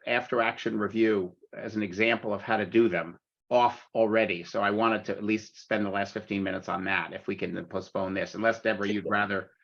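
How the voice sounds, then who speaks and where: Gravelly man on a muffled call. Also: lowish voice, flat delivery, fairly quick, a bit bright. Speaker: board member. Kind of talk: online board meeting discussion.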